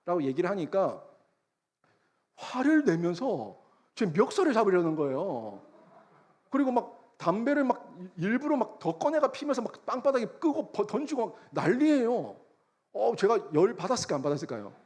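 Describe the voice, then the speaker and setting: A male pastor with a Gyeongsang accent preaches a sermon from a church sanctuary. His voice sits a little high and swings widely in pitch. He tells his story with sudden loud bursts as he acts out the quarrels. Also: very animated, normal speed. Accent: Gyeongsang Korean. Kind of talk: sermon with anecdote.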